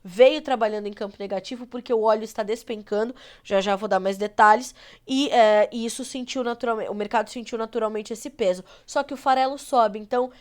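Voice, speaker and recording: A Brazilian woman with a cold anchoring a live agribusiness news show, her voice nasal and congested as she runs through market prices. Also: on the high side. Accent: Brazilian Portuguese. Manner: brisk, reads prices in a steady run.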